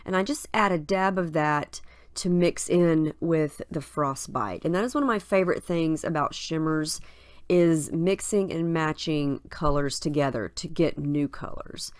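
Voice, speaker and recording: A woman's voice, slightly low and made scratchy and nasal by a head cold. She talks in a relaxed, chatty way, thinking aloud as she goes. The sound is dry and close. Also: unhurried, no room sound. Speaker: craft video host. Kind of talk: casual voice-over narrating a scrapbooking process.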